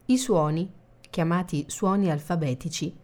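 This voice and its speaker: A woman reading the translation of each line in a recorded language course, calm and measured. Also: fairly low pitch. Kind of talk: scripted instructional reading.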